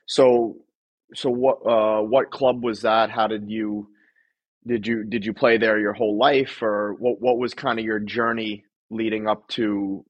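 A man's voice: lowish voice, level tone, unhurried, muffled recording. A man hosting a podcast interview, asking rambling questions with lots of fillers and restarts. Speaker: podcast host.

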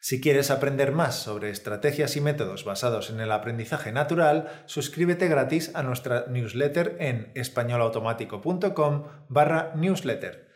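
A man of middle pitch explains a lesson calmly, in a scripted podcast manner. The recording has a roomy echo around his voice. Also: moderate pace. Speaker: Spanish teacher.

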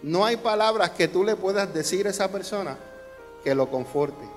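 A man's voice: sits high, animated, normal speed. A man preaching a sermon as pastor, asking the congregation questions and building emphasis. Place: church hall. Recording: long hall reverb with faint music.

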